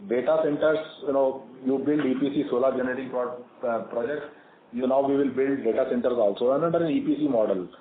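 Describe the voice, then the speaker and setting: Indian-accented executive on an echoey phone line. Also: male voice, mid-range voice, brisk. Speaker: company executive answering investor questions. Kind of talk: earnings call answers. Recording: phone-like conference line, echoey, clearly noisy.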